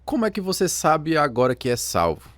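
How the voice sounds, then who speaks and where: An actor playing a puzzled, doubting uncle of about forty with a questioning manner in a radio drama. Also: male voice, fairly high pitch, wildly swooping pitch, fairly quick, dry recording, studio quality. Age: 40s. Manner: questioning, searching. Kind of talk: scripted radio drama dialogue. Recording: radio drama over guitar music. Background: acoustic guitar music.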